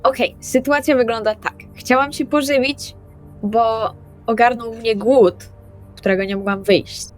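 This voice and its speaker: A woman's voice: on the high side, steady tone, measured pace, soft background music, natural voice. A woman playing a young, hungry female vampire in a tabletop roleplay, talking conversationally as she explains herself. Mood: confessing. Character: Wendy, young female vampire driven by hunger. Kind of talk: in-character tabletop roleplay, audio drama.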